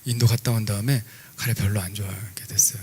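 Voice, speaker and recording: A middle-aged man, a pastor, preaching a sermon in a relaxed, conversational storytelling way with lively asides. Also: fairly low pitch, fast, husky.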